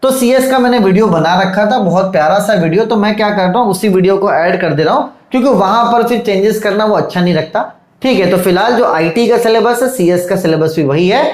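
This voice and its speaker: A man's voice: sits high, a little fast. A man giving a casual video lecture as an online tutor, fatherly, calling his students "beta" and checking they follow. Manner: fatherly, calls students "beta", keeps asking "theek hai". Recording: echoey room.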